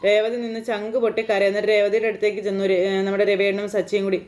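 A woman's voice: mid-range voice, flat delivery, racing, a little mellow. A woman casually retelling a TV serial episode in a chatty, conversational way, often turning to the listener. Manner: chatty, conversational, frequent fillers addressing the listener. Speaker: serial episode recap narrator.

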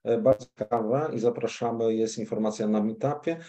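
A man with a low, mellow voice explains in a measured, methodical way during an online meetup. He speaks as one of the organizers, adding points and announcements. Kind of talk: discussion on a video call. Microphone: video call.

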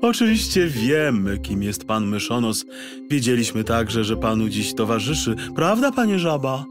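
Storybook female president acted by a male reader: courteous, authoritative, measured, animated intonation. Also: medium pitch, music in the background, natural voice. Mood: gracious. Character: commanding, courteous female president of a magic city.

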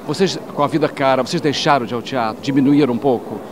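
Brisk Carioca man interviewing on the street. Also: medium pitch. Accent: Carioca Portuguese. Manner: brisk, stumbling over words. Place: city street at night outside a theater. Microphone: handheld mic. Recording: noisy street ambience.

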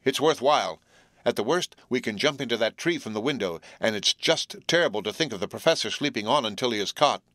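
A man's voice: mid-range voice, expressive, a little fast, fairly bright tone, dry recording, clean studio sound, natural voice. A man voicing a cool-headed teenage boy who gives firm, urgent commands.

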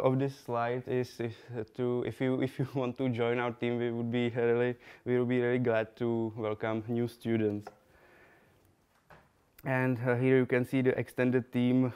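A young man with a Czech accent giving a slide talk in a lecture room, speaking haltingly with many fillers and restarts. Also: medium pitch, a little mellow, clear, resonant tone. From Czech Republic.

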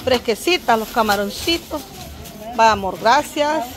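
A middle-aged woman chats away in a casual vlog while she shops at an open-air market. Her voice sits a little high, and she jokes with the sellers and turns often to address her viewers directly. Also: lively intonation, measured pace, slight background noise. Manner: chatty, talks straight to her viewers, jokes with vendors. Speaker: vlogger.

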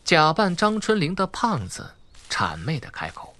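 A man's voice: on the high side, wildly swooping pitch, unhurried, bright, forceful tone, no room sound. A man with a Mainland Chinese Mandarin accent narrating a suspense audiobook in a theatrical, dramatic way. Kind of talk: dramatic scripted narration of a crime thriller.

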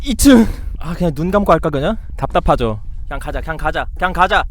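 A man's voice: a little high, quick pace, fairly bright tone. A man streaming a horror game live, jumpy and yelping when startled, chattering to himself and his viewers and jokingly taunting the ghosts.

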